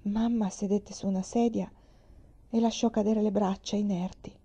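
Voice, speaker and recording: A woman reading a children's novel aloud with calm, measured storytelling. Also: medium pitch, husky.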